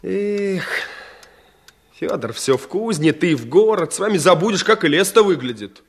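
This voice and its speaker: A young village braggart in a radio play, fairly high and very animated, jaunty and offhand. The man plays the character with an easy, bragging air that never turns heavy. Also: normal speed, husky, exaggerated voice. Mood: breezy. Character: young village man Yashka, cheery, boastful hunter. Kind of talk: Soviet radio play acting.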